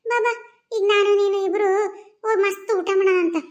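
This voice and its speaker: A woman's voice: very high voice, steady tone, a little fast. A woman voicing a carefree murdered female ghost in a cartoon, speaking North Karnataka Kannada in a soothing, chatty, folksy manner. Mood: consoling. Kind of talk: cartoon voice acting.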